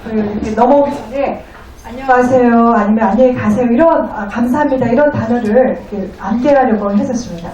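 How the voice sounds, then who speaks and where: High-voiced woman interpreter in echoey room. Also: recorded from a distance, crowd noise. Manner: halting, polite formal phrasing. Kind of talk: consecutive interpreting of a lecture. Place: echoey indoor venue.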